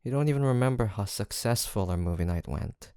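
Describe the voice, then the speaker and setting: A man acts out a college-aged best friend in an intimate audio roleplay. His low voice is mellow and gravelly at the edges, with a casual, teasing delivery that stays fond and playful. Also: animated, fairly quick, no echo, clean studio sound. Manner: casual, playful, murmured hesitations and soft laughs.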